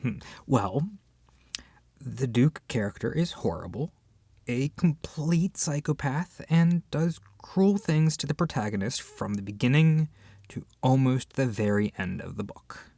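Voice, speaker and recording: A voice actor playing an irritated book club member ranting in a one-sided roleplay, exasperated and sarcastic with dramatic pauses. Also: mid-range voice, lively intonation, creaky, mellow, slightly rough, no echo, exaggerated voice. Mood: annoyed ranting.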